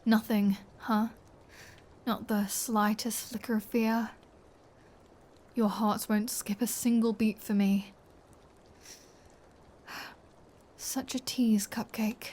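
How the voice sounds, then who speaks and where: A woman's voice: on the high side, level tone, slow pace, pauses often, a little mellow. A woman voicing a flirty, menacing vampire in an intimate ASMR roleplay, teasing and sardonic, often slipping into a whisper. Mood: wistful, flirty. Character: flirty, menacing female vampire taunting her captive hunter.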